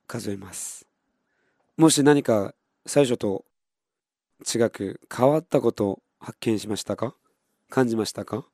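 A man's voice: mid-range voice, warm tone, no echo, clean studio sound. A man teaching beginner in Japanese, patiently repeating each word and modeling pronunciation for counting drills. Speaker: Korean language teacher.

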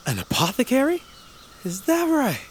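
A man's voice: very high voice, huge pitch swings, normal speed, slight background noise, exaggerated voice. An actor playing an enslaved teenage boy who stammers and speaks deferentially to his master. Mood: teasing. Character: young enslaved teen boy, nervous then easygoing. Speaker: young Alphonse. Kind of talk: audio drama acting.

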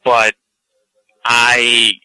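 A man's voice: mid-range voice, completely flat delivery, drawn-out words, sharp tone, smooth, no room sound, poor audio. A man co-hosting a podcast, chatting casually in a laid-back way. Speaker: podcast co-host.

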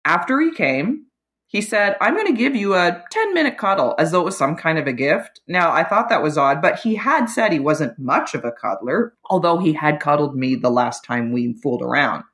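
A woman's voice: deep voice, very animated, normal speed, a bit bright. A woman caller giving a candid, conversational personal account to an advice show host.

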